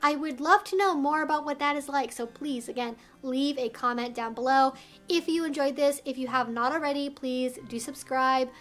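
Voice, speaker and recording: A woman with a noticeably high voice presents an explainer vlog. She addresses her viewers directly in careful, emphatic phrases. Soft music plays faintly behind her. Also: normal speed. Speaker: video host and educator.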